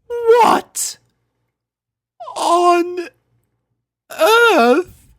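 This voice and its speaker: Someone putting on a prim, high-pitched dramatic unicorn lady. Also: animated, extremely slow, exaggerated voice. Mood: shrieking, aghast. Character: refined, dramatic, indignant female unicorn pony.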